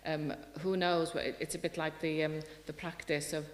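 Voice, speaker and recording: A woman's voice: deep voice, flat delivery, normal speed. A middle-aged woman poet from Wales with a Welsh accent, giving an earnest festival talk and reading her poetry, often restarting her sentences. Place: hall. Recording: roomy hall reverb.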